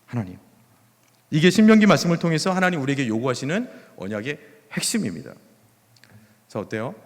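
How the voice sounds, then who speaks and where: A male pastor preaches in a church sanctuary with a lively, swinging delivery and a somewhat high voice. He slips into pleading, intimate tones when he speaks God's words. The sound rings with long reverb from the large room. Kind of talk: sermon.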